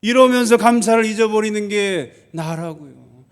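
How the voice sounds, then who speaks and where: A man's voice: high-pitched, normal speed. A male pastor preaching a sermon to his congregation, asking rhetorical questions and acting out grumbling children in quoted lines.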